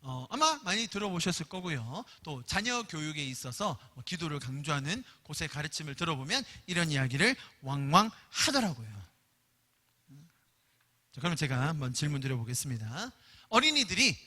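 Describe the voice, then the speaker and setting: A man in his thirties preaching a sermon as pastor, telling stories in an animated way and acting out the voices. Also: a little high, brisk. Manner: animated storytelling, acts out voices. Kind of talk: Korean sermon. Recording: reverberant church hall.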